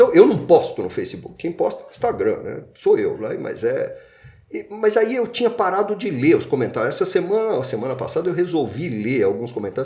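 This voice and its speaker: Noticeable background noise sits behind a man's voice. He speaks at a fairly quick pace in an animated tone. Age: 60s. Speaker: franchise consultant. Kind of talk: podcast interview.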